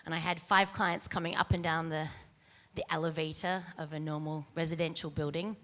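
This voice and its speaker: A soft-spoken woman with an Australian accent speaks as a panelist. Her voice sits low and gentle. She talks into a handheld mic in a large tent, picked up by a camera out in the crowd. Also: fairly even intonation, a little fast. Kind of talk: panel talk. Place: large tent stage before an audience. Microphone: handheld mic, far camera.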